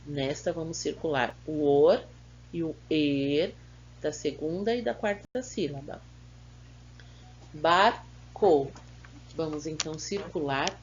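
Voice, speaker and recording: A woman's voice: low voice, husky, highs cut off. A woman teacher with a Brazilian Portuguese accent, patiently going over schoolbook exercises and sounding out words syllable by syllable.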